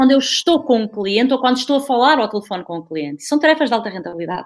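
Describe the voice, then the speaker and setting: Over music in the background, the voice moves at a very fast pace with very wide pitch swings. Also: woman. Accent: European Portuguese. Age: 40s. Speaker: real estate trainer. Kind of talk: interview. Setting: remote call.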